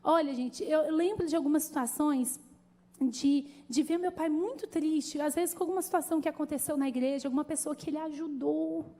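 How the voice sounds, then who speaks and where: A woman pastor preaching a sermon in an animated, conversational way, calling out to the congregation. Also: high voice, a little fast. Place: church. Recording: long church hall reverb.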